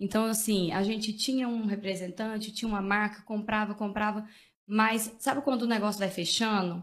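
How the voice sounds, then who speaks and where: A woman with a fairly high pitch speaks at a moderate pace in a somewhat breathy voice. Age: 30s. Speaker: entrepreneur. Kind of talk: casual chat. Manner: animated.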